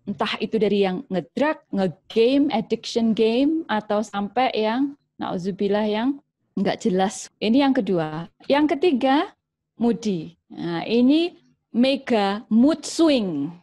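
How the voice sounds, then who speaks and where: Brief: woman doctor, high voice, animated parenting lesson with acted-out examples. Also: slow pace. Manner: lively, acts out mother and child voices, mixes in English phrases. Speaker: doctor giving parenting advice. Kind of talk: parenting talk.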